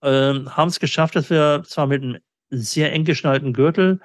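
A middle-aged man answering business interview questions reflectively, often pausing in mid-sentence as he talks. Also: a little high, dry recording, clean studio sound. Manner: halting, with frequent pauses mid-sentence. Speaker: interviewee, company owner and sales agent.

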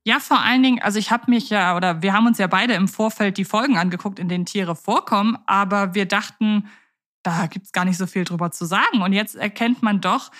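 A woman co-hosting a podcast in casual chat, talking in a lively, chatty way with quick laughs. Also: mid-range voice. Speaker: podcast co-host. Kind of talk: casual chat about radio plays.

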